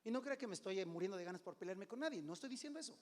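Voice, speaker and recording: A middle-aged man preaching as a pastor, conversational, often calling "hermano", swinging between loud and hushed. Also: high-pitched, expressive, very fast. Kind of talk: sermon. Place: church sanctuary. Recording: long hall reverb.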